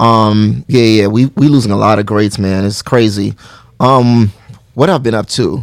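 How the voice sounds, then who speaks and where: This man has a fairly low pitch and an American accent. His intonation stays fairly even. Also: moderate pace. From Brooklyn, New York. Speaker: podcast host. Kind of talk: casual chat.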